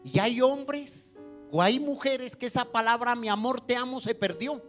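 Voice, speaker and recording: A man preaching a sermon as pastor, moving between quiet asides and loud emphatic climaxes. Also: extremely high pitch, moderate pace, faint music behind. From Colombia. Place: church.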